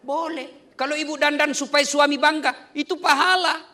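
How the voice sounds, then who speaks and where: A man's voice: extremely high pitch, normal speed. A man preaching a humorous sermon on marriage, joking with the congregation as he goes. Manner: joking, lively delivery with playful asides to the congregation.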